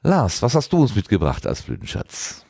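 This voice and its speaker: A man hosting a podcast, talking off the cuff with deliberate, searching phrasing. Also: fairly low pitch, huge pitch swings, creaky, mellow, breathy edge, no echo, clean studio sound. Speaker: podcast host. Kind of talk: unscripted podcast talk.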